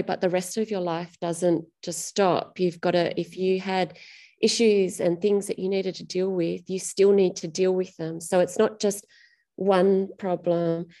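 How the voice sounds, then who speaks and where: A middle-aged Australian woman whose first language is Greek discusses her novel in an interview. Her voice is lowish and warm, and she speaks thoughtfully, often restarting her phrases.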